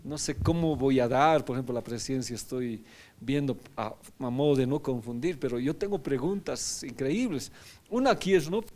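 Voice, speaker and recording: A man's voice: mid-range voice, lively intonation, normal speed, darkish tone. A man, a pastor, teaching a Bible lesson in a conversational sermon, often asking his listeners questions and adding tag questions.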